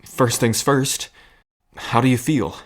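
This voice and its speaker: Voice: medium pitch, steady tone, takes it slowly, husky. A performer acting a protective, stubborn friend in an audio drama, speaking firmly with dry sarcasm and care. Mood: tense, worried. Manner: firm, sarcastic, caring.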